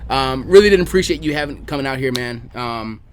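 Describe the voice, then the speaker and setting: A man's voice: medium pitch, lively intonation, fairly quick, a little hiss or hum. A man hosting a podcast in casual conversation, informal and repeating words for emphasis. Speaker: podcast host.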